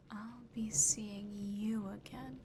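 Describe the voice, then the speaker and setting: Slow, whispering affectionate demon woman, acted by a woman. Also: mid-range voice, steady tone, lightly acted. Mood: teasing, possessive. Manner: slow, soothing, intimate, softly teasing. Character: affectionate, possessive female sleep paralysis demon. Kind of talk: whispered ASMR roleplay. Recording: close whisper over clear background noise.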